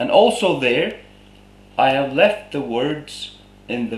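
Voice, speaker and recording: Audible room echo surrounds a man speaking with a Faroese accent. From Faroe Islands. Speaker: Bible translator and preacher. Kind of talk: religious teaching talk. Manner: emphatic.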